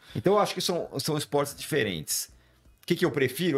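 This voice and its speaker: A man talking at a fairly quick clip over faint background music. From Brazil. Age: 40s. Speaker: football commentator. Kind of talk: casual interview chat. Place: studio. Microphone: studio mic.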